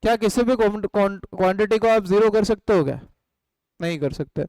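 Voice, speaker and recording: A man with an Indian accent teaching an online economics class in a high, clear voice. He asks questions and answers them himself, and he sometimes dictates notes word by word. The recording is close and dry. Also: a little fast, a little mellow, dry recording, rough recording. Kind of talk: live online class lecture.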